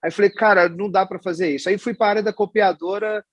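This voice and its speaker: A man in his forties with a Goiás accent talks through his life story in a casual interview. His voice is husky and pitched a little higher than most men's. He rambles warmly, restarting phrases and tagging on little questions, and the sound is close and dry. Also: fairly even intonation, fast talker, no echo. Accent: Goiás Brazilian Portuguese. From Goiás, Brazil. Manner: chatty and storytelling, with many restarts and tag questions. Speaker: guest, hospital executive.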